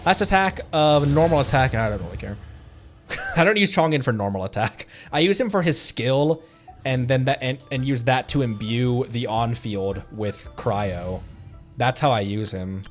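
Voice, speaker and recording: Excitable man chatting over gameplay. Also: mid-range voice, normal speed, soft background music. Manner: excitable, laughs often, rambling with restarts. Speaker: VTuber streamer. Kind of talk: casual gameplay chat.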